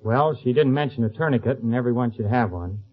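A man's voice: mid-range voice, fast talker. Male quiz contestant, mid-range, plain and factual, muffled old radio sound. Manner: plain, matter-of-fact. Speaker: druggist, quiz show contestant. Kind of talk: answering questions on a radio quiz. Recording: dull old radio recording.

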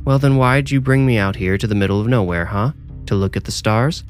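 A man's voice: medium pitch, brisk, soft background music, voice pushed up, natural voice. A man voicing a hot-tempered teenage girl who turns sarcastic and aggressive. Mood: angry. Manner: sharp, sarcastic, yelling.

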